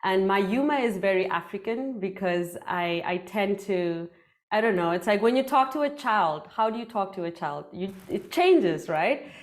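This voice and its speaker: Animated woman, native Afrikaans speaker. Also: medium pitch, normal speed. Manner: animated, gestures a lot, playful. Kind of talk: workshop talk on public speaking. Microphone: headset mic.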